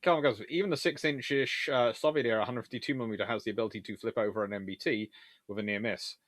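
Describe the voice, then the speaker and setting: A man hosting a casual live question-and-answer stream on naval history, chatty and animated, talking in a stop-start way with trailing asides. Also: lowish voice, fast, no room sound. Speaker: livestream host answering viewer questions.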